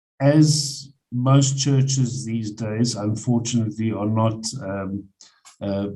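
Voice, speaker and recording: Somewhat breathy and dark, mellow in tone, a man speaks very slowly at a medium pitch with fairly even intonation. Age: 60s. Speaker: guest. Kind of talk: casual chat. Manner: halting.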